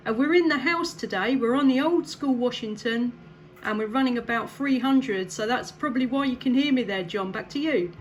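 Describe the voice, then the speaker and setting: A woman's voice: a little high, moderate pace. A woman CB radio operator making casual contact chat in an upbeat, encouraging way. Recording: clear background noise.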